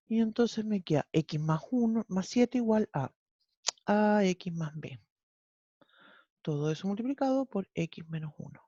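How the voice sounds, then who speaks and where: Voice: mid-range voice, dark tone, dry recording. A math teacher with a Chilean accent, teaching an online class step by step and often checking in with the students. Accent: Chilean Spanish. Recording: dull lo-fi online class audio.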